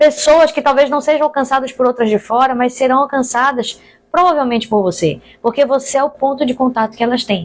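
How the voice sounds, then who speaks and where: A woman talks high in pitch at a fairly quick pace. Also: ordinary pitch variation. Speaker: pastor. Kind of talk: online teaching livestream. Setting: live stream video. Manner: fast talker by habit.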